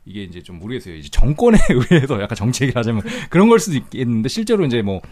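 Man, host, teasing, quick, very animated voice. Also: mid-range voice, slight background noise. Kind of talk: casual talk-show chat.

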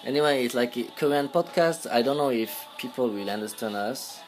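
A man's voice: mid-range voice, brisk, soft background music. A young man from France with a French accent, a podcast guest speaking English as a second language, hesitant and searching for words. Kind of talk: casual conversation.

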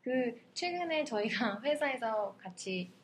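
A woman's voice: on the high side, animated, takes it slowly, a little hiss or hum. A woman co-hosting a casual podcast chat, patiently explaining English words and modeling how they sound. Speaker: podcast co-host teaching English.

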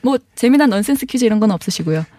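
A woman's voice: a little high, lively intonation, very fast, warm tone, dry recording. Playful Korean woman radio host. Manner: playful, laughs often, teasing. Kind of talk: casual radio talk show chat. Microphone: studio microphone.

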